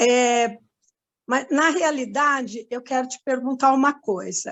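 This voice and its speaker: High in pitch and with ordinary pitch variation, a woman talks at a very slow pace. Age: 60s. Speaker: audience member. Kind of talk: audience question.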